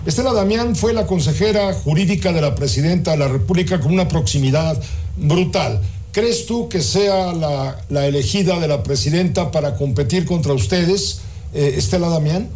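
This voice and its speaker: A man's voice: fairly high pitch, moderate pace, a little mellow. A man interviewing a politician, asking probing, pointed questions.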